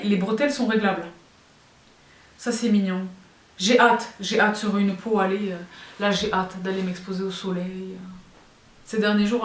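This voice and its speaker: Chatty French woman in a roomy room. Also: medium pitch. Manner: chatty and expressive, addresses viewers as girls. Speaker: fashion vlogger. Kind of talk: casual haul chat to viewers. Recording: roomy, a bit far from the mic.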